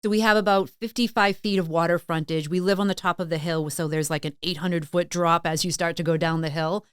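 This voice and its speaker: A middle-aged woman from Massachusetts and Maine, a sales consultant and author chatting as a podcast guest, telling stories in a relaxed, talkative way. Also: on the low side, brisk, smooth, no echo, studio quality. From Massachusetts and Maine, USA. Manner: chatty, storytelling, frequent "like" and "um". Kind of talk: casual interview chat.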